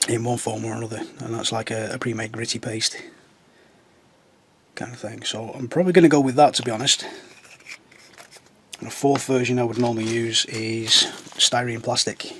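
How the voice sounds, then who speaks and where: Croaky man at a hobby bench. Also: mid-range voice, steady tone, moderate pace, pauses often, fairly bright tone. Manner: rambling, self-mocking, chatty. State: croaky from a sore throat. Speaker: scale model builder. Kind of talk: casual how-to chat. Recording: noisy with crinkling sounds.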